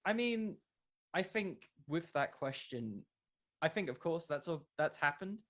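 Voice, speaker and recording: A man's voice: on the high side, expressive, a little slow, fairly bright tone. A young man talking casually as an interview guest, explaining things earnestly in a rambling way. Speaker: interview guest, wrestling content creator.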